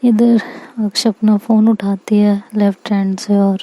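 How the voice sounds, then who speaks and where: A woman narrating a serialized love story in a soft, intimate way, sometimes close to a whisper. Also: mid-range voice, level tone, a little slow, no echo, rough recording.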